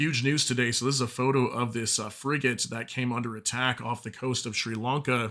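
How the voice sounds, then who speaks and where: A man speaks at a medium pitch and a moderate pace, his tone bright and sharp. His intonation stays monotone and flat, on a very clean recording with a silent background. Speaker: news livestream host. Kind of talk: live news commentary. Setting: livestream with chat. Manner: casual, filler-heavy.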